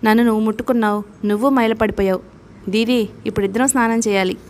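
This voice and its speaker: Audiobook role: a gentle, teasing young woman with a fond tone, read by the narrator in a fairly high voice. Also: fairly even intonation, fast, slight background noise, natural voice. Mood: affectionate. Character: affectionate young woman, scheming, veiled.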